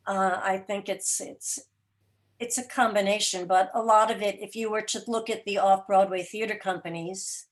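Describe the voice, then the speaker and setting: A woman answering as an interview guest, explaining things deliberately and emphatically in short, broken phrases. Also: medium pitch. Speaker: guest, radio drama and podcast producer.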